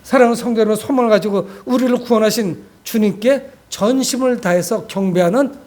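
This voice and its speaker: Male pastor, notably high voice, exhortative sermon delivery with rhetorical questions to the congregation. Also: fairly quick, a little mellow. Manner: exhortative, addresses listeners often with rhetorical questions.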